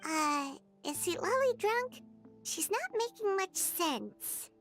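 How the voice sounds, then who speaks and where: A tiny female fairy sidekick for an anime-style game. The voice is extremely high and squeaky, with very bright tone and swooping intonation. She comes across as chirpy, blunt and nosy. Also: animated, slow pace, faint music behind, heavily acted. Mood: alarmed, puzzled. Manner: squeaky, refers to self in third person.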